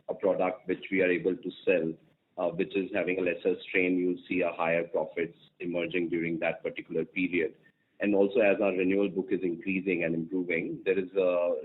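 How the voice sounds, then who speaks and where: A man, a finance executive, answering an analyst on an earnings call, halting with many fillers. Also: sits low. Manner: halting, heavy fillers like uh and you know. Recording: phone-line audio.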